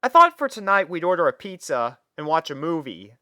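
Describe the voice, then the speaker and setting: A man's voice: a little high, very animated, a little fast, bright, forceful tone, no echo, studio quality, pitched above the performer's own voice. A man voicing an easygoing, slightly hesitant young male roommate in a fan fiction audio reading. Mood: eager, casual. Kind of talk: fan fiction character acting.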